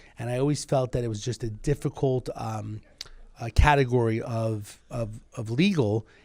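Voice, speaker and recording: A man with an unremarkable speaking voice talks at a moderate pace, with medium pitch and fairly even intonation. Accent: American. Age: 40s. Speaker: retired police officer, legal services connector. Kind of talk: interview. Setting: studio.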